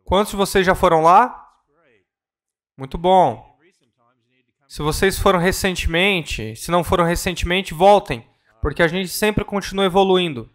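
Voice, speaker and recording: A man's voice: high-pitched, unhurried, pauses often, a bit bright. Earnest man interpreting a talk. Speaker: live interpreter at a church conference. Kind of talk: consecutive interpretation of a ministry talk. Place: church conference hall.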